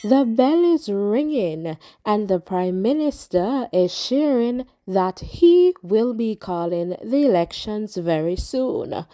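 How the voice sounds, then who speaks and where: A woman hosting an online update channel in clear, measured, scripted presenting. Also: medium pitch, animated, mellow.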